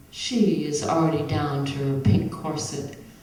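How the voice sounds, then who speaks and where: Noticeable background noise is present throughout. Over it, a woman talks at a fairly slow pace. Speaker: poet. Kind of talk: poetry reading. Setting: live reading venue.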